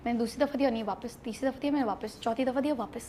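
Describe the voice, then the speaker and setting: A young woman with a Pakistani accent, an actress guest in an interview, telling a story in a lively way and acting out the dialogue. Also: sits high, a little hiss or hum. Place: interview set.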